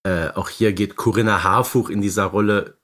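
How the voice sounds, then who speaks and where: A man's voice: lowish voice, fairly even intonation, moderate pace, fairly bright tone. Man podcast co-host, conversational, tag questions. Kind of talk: casual film discussion. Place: studio.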